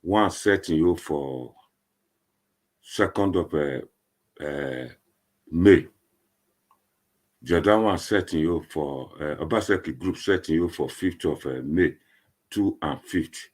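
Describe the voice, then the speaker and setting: A man's voice: very deep voice, takes it slowly, pauses often. A man with a Nigerian accent giving informal commentary to online viewers in Nigerian Pidgin, rambling and emphatic, often repeating himself. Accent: Nigerian, speaking Nigerian Pidgin.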